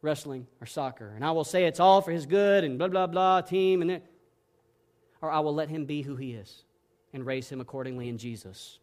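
The sermon comes from a middle-aged male pastor whose voice is a little high and brisk. He speaks earnestly, alternating hushed gentleness with emphatic passages.

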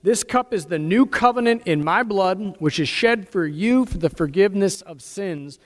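Leading a church service, this American man speaks with a high-pitched, expressive voice at a moderate pace, solemnly guiding the congregation through formal prayers and liturgy. Long reverb fills the recording from the echoey interior of the large church.

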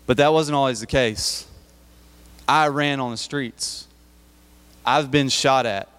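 A man's voice: medium pitch, takes it slowly, fairly bright tone, clean tone. A man preaching at a youth service in a church hall, talking conversationally and often repeating and restarting his words. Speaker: youth speaker. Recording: reverberant hall.

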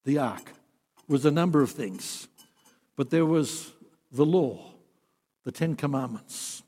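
A man preaching a sermon, earnest, swinging from emphatic peaks to soft, quiet passages. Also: mid-range voice, breathy edge. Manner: earnest, rising to emphatic then dropping soft. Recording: long hall reverb.

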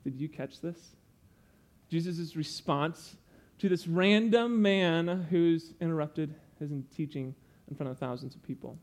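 A man's voice: a little high, a little slow, a little mellow. A young man preaching a sermon, earnest and explanatory, stopping to teach with asides.

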